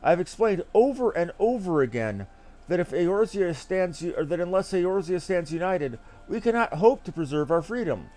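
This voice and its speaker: A man's voice: sits high, sing-song, moderate pace, darkish tone. A man voicing an earnest, self-assured young noble diplomat from a fantasy game, speaking in formal, archaic and declamatory language. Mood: impassioned. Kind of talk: theatrical read-aloud of fantasy game dialogue.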